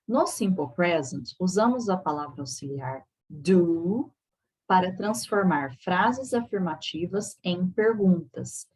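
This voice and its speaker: A woman with a Brazilian Portuguese accent, an English teacher giving a recorded lesson, explaining slowly and checking in with her students. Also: on the low side, darkish tone, husky, rough recording.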